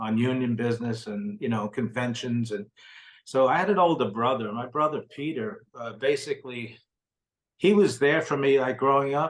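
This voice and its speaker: Speaking with a New York accent at a moderate pace, the voice has lively intonation. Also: man, medium pitch for a man. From New York City (Brooklyn). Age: 70s. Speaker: near-death experiencer, former paramedic. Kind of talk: interview testimony.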